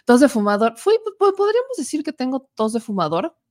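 A woman's voice: high-pitched, big pitch swings, brisk, darkish tone. Chatty Mexican woman hosting a talk show. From Puebla, Mexico. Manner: chatty and joking, with asides to the producer. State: lingering cough from allergies. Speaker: political commentary host. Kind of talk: casual political talk show.

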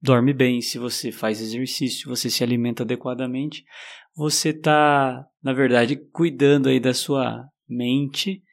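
A man co-hosting a podcast in relaxed casual chat, agreeing and adding jokey remarks. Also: medium pitch, unhurried, creaky. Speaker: podcast co-host.

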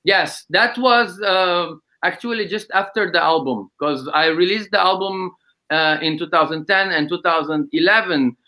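Man, 30s, bright and slightly high, hesitant guest with many fillers, video call. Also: moderate pace, rough recording. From Lebanon. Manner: hesitant, many ums and uhs, laughs often. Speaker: guest musician. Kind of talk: casual interview.

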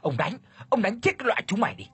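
Cruel old landlord, yelling curses, raspy husky voice, a man does it. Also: fairly high pitch, fairly quick. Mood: furious. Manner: bellowing, cursing. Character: brutal older male landlord.

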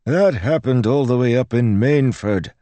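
Male narrator as an old male priest, crotchety, patronising, raised pitch, lively intonation, storybook character. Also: a little slow, no echo, lightly acted. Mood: dismissive. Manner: patronising, exasperated.

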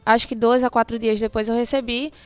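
A young woman guest in a casual interview, telling her story in an animated way and quoting her own thoughts. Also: a little high, fairly quick, clean tone, no echo. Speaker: guest, youth delegate.

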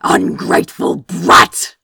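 A woman's voice: slow, pushed and bright. Woman putting on a furious, barking demon lord. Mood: enraged. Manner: explosive, barking insults. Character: irascible bullying old demon lord, snapping and contemptuous.

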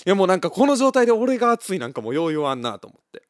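A man with an Osaka Kansai accent tells a casual story, his voice somewhat high and swinging widely up and down. He laughs often and fills his talk with little pauses and fillers. The sound is close and dry, with no room around it. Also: big pitch swings, no echo. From Osaka, Japan.

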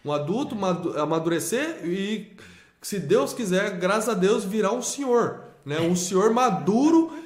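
A Brazilian man with a fairly high voice talks about raising children in a casual, emphatic chat. He keeps repeating points and tacking on little tag questions. The sound carries a clear echo from the room around him. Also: animated, measured pace. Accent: Brazilian Portuguese. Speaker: homeschooling father. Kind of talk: casual podcast conversation.

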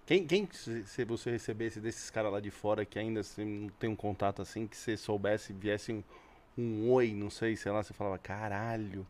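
A man's voice: lowish voice, brisk, a little mellow. A man with a Brazilian accent asking questions in a casual, slangy conversational interview. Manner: informal, slangy.

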